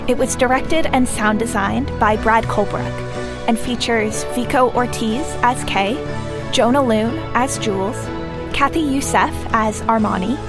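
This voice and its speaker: A woman's voice: a little high, a little slow, music in the background. A woman announcer giving a scripted reading of end credits.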